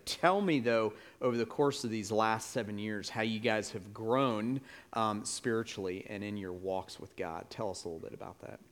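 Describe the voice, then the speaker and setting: A male pastor interviewing church members in an easy conversational manner. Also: on the low side.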